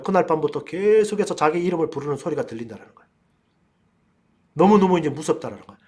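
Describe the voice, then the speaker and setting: A middle-aged man, a pastor and professor, teaching a seminar in a storytelling way, speaking straight to his listeners. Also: high-pitched. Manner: storytelling, addresses listeners directly, bursts into loud commands. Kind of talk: teaching seminar on casting out spirits.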